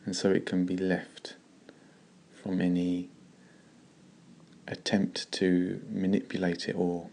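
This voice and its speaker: A man leading a guided meditation in a slow, calm, gentle way with long pauses. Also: low voice, gravelly.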